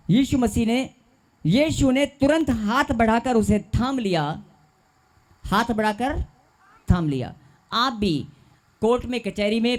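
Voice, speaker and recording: A man's voice: sits high, darkish tone. A male pastor preaching a sermon, leading the congregation in call-and-response and stretching out repeated phrases for emphasis.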